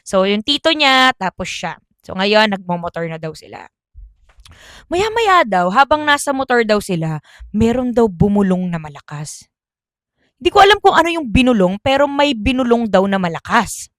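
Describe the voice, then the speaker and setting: A woman telling a ghost story in a casual, chatty way, often laughing and dropping her voice low for the creepy parts. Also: sing-song, normal speed, no room sound, studio quality. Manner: chatty, drops into hushed tones for spooky parts. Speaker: podcast storyteller.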